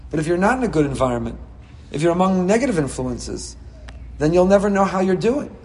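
Man, rabbi, Torah class, impassioned, fairly high voice, echoey hall. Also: big pitch swings, a little fast. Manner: impassioned, swings between soft and loud, reads Hebrew texts then explains in English. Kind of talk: Torah class on the weekly portion.

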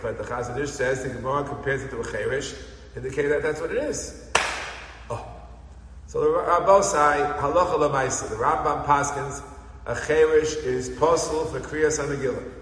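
A man with an American Yeshivish accent, teaching a Talmud class in a lively way and chanting the text he reads. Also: fairly high pitch, slight background noise. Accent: American Yeshivish English with Hebrew and Aramaic terms. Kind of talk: Talmud lecture. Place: synagogue study hall. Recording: echoey hall recording.

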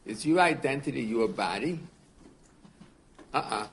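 Gravelly-voiced rabbi in his seventies. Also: medium pitch, lively intonation, a little slow, slight background noise. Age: 70s. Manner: earnest, repeats words, asks the class questions. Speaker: rabbi teaching a class. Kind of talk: casual torah class.

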